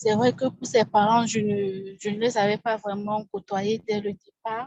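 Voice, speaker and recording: A woman's somewhat breathy, dark, mellow tone at a fairly high pitch, very slow, with ordinary pitch variation. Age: 20s. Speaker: anonymous witness of domestic violence. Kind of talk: testimony.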